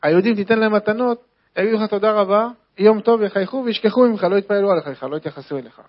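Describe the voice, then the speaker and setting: A man's voice: sits high, voice pushed up. A man playing a shrewd insistent royal advisor. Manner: emphatic, lecturing. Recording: dull lo-fi recording.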